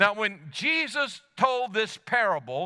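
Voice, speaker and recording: Bright and sharp in tone, a man's raised, projected voice carries lively intonation. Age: 70s. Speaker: preacher. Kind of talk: sermon. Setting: church. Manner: halting.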